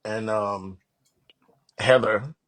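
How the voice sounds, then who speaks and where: A man's voice: fairly low pitch, steady tone, very slow, a bit bright. A man speaking as an author guest on a podcast, talking casually in an upbeat, self-deprecating way. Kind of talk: casual conversational interview.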